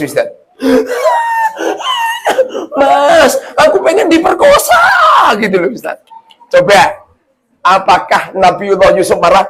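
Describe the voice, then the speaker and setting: A man gives a storytelling religious lecture in a fairly high voice. His delivery is animated and jokey, jumping from loud bursts to hushed asides. He keeps turning to his listeners with quick questions. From Indonesia. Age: 40s. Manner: addresses the audience often with tag questions. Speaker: Islamic preacher.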